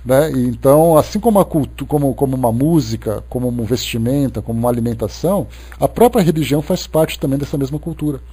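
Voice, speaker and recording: A Brazilian man with a Brazilian Portuguese accent giving a spiritist talk, reading viewer comments aloud and answering them in a relaxed, conversational way full of "né" tags. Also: mid-range voice, fast, hardly any pauses, husky. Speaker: spiritist lecturer.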